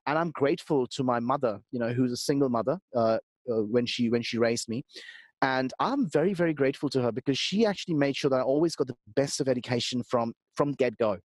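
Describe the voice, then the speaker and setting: A man's voice: mid-range voice, darkish tone, dry recording. A man from Calcutta, India, whose first language is Bengali, talking earnestly as a podcast guest and often repeating words as he begins a point. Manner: earnest, emphatic, repeats words when starting. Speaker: podcast guest, business strategist. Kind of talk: conversational interview.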